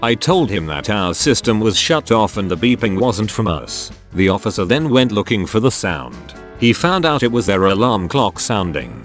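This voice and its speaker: Low, lively male story narrator. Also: normal speed, hardly any pauses, soft background music. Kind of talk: scripted narration of online posts.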